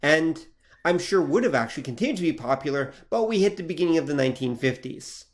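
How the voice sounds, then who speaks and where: A man's voice: fairly high pitch, sing-song, fast talker. A man co-hosting a podcast in casual chat, easygoing as he steers the talk along. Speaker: podcast co-host.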